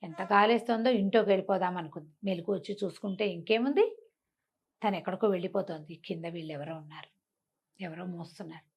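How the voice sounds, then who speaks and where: A woman telling a comic folk tale in an animated, conversational way, often repeating phrases. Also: on the low side, fast talker, gravelly, breathy edge. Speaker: storyteller.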